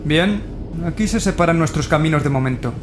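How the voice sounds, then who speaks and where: A man's voice: expressive, fairly quick, lightly acted. An actor playing a cocky male agent of an organisation, giving formal instructions in an audio drama. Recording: clear rumbling noise behind.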